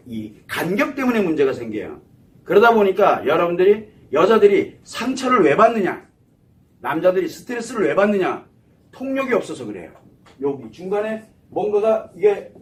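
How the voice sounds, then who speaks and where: A man giving a psychology lecture, asking the audience questions and answering them himself. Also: sits high. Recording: voice somewhat far from the mic.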